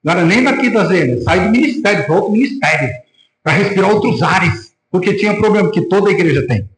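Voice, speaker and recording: A Brazilian pastor in full preaching mode, his voice sitting a bit high for a man and carrying around a reverberant church room. He talks with energy and slips into the voices of the people he quotes. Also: animated, fast talker. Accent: Brazilian Portuguese. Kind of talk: sermon. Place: church hall.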